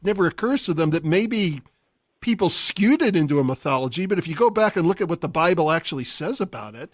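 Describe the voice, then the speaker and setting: A man hosts a call-in radio talk show, laughing easily and talking through ideas at length. His voice sits a little high. The studio sound is dry and close. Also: animated, dry recording. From California. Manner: quick to laugh, explains at length. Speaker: radio host.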